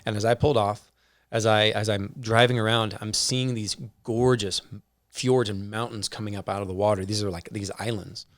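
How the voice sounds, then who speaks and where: Male guest, slightly low voice, dry and close, sharing stories with feeling and stumbles. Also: normal speed, no room sound. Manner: animated, emotional storyteller with many restarts. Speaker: podcast guest. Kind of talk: casual storytelling conversation. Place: indoor room with whiskey and pipes.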